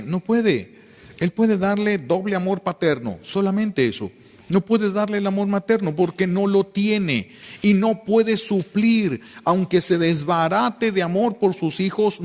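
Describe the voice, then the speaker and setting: A man's voice: high voice, big-room sound. A man, a priest giving an emphatic sermon and repeating key phrases for weight.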